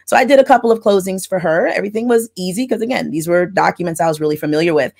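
A middle-aged woman with a somewhat low voice explains her work in a chatty, wordy way. She talks over a video call through an earbud mic from her home office. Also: racing, gravelly, darkish tone, slightly rough. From from Florida, raised in Texas. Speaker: mobile notary loan signing agent and channel host. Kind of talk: casual interview storytelling. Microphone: earbud headset on a video call.

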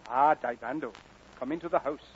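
A man's voice: medium pitch, brisk, husky. An actor playing a stern, proud Welsh father in a vintage film drama, commanding and lilting. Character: stern, proud working-class Welsh father of many sons. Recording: dull vintage film soundtrack.

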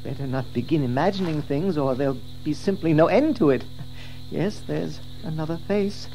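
An actor playing a timid, earnest young Mole in a dramatised children's story. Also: male voice, a little high, moderate pace, dark tone, soft background music, lightly acted, low-quality recording. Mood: frightened.

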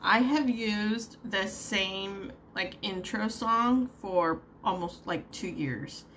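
Bright-voiced woman vlogging at home, slow rambling. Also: medium pitch, a little hiss or hum. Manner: rambling, frustrated, many fillers and laughs. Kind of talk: casual vlog chat.

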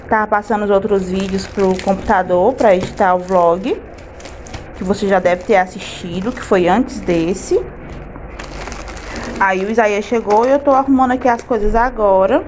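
A woman's voice: mid-range voice, a little mellow. A woman, chatting casually on a phone camera while unpacking groceries in her home kitchen. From Fortaleza, Brazil. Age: 20s. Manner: chatty, listing items as she unpacks. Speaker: family vlogger. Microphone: handheld phone camera. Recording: noisy home with washing machine.

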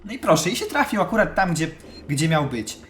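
Male let's-play host, lively swooping intonation, slightly high voice, chatty horror-game commentary. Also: brisk, slight background noise. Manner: excitable, chatty, shouts when scared. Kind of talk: live gameplay commentary.

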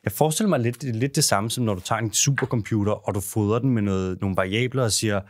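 A man's voice: lowish voice, no echo, clean studio sound. Danish man in casual podcast chat. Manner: rambling, lots of fillers and restarts. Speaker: podcast co-host. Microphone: studio microphone.

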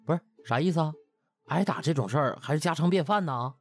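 A man's voice: fairly high pitch, expressive, fast talker, soft background music. A man voicing an aggrieved, cheeky young doctor who complains indignantly in a comic audiobook. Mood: alarmed.

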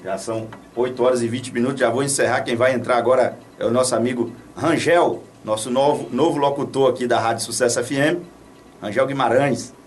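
A man's voice: medium pitch, fairly even intonation, brisk, a little hiss or hum. A man, hosting local radio in an outspoken, colloquial, repetitive way. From Brazil. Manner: colloquial, outspoken, repeats himself. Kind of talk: informal radio commentary and shout-outs. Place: small radio studio. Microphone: studio boom microphone off to one side, headphones. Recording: slightly distant from the microphone.

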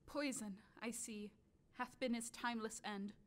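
A woman playing a tragic teenage Juliet, dramatic and drawn-out, in theatrical Shakespearean audio drama style. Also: fairly high pitch, fairly even intonation. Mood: grieving.

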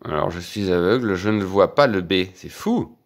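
A man, quietly commenting as he scratches lottery tickets for his channel. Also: sits low, a little fast. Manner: quiet running commentary, excited when winning. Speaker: scratch-card vlogger.

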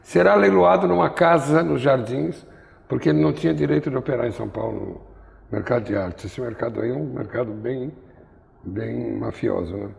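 A man's voice: medium pitch, a little fast, gravelly, a little mellow, long reverb tail. An older man from Brazil interviewing in an artist's studio on a lapel mic, telling wry, digressive stories. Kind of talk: rambling conversational interview.

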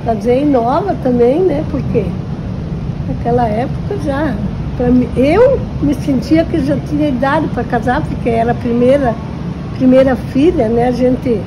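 A woman's voice: high voice, measured pace. An elderly woman casually reminiscing in a home interview, recorded outdoors on a phone. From southern Brazil. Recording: loud outdoor ambient noise, amateur phone video.

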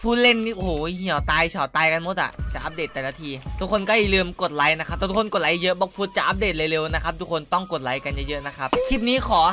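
A young man giving casual gameplay commentary, excitable and swearing freely while talking straight to his viewers. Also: a little high, quick pace, hardly any pauses. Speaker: gaming YouTuber. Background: background game music.

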